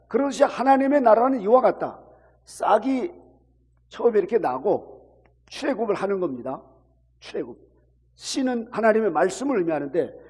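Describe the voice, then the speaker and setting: A man's voice: high-pitched, a little mellow, breathy edge, long reverb tail. A man preaching a sermon to a congregation, illustrating his points with acted-out everyday examples. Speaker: pastor.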